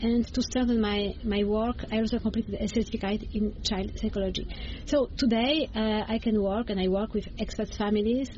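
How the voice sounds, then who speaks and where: A woman with a Polish accent explains her work in earnest, halting interview answers. Her voice sits at a middle pitch. The recording is a little dull, with faint room ambience behind her. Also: fairly even intonation, a little mellow, a little hiss or hum. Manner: earnest, explanatory, with frequent hesitations. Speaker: bilingual education coach.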